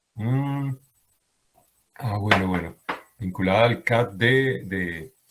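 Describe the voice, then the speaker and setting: Speaking very slowly, a man uses a fairly low pitch with ordinary pitch variation. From Colombia. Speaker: university tutor. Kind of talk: online class. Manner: halting, many repetitions.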